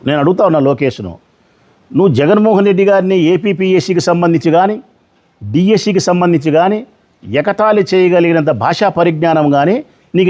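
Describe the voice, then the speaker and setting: A man's voice: fairly high pitch, a little mellow. Combative middle-aged man. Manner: combative, rhetorical questions. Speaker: politician. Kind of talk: press statement.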